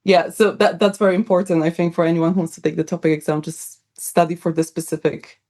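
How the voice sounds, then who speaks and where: A woman's voice: fairly low pitch, little pitch movement, fast talker, a little mellow. Chatty young woman. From Poland. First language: Polish. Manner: chatty, upbeat, with frequent laughs and fillers. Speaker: guest, writer and academic. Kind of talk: casual interview chat.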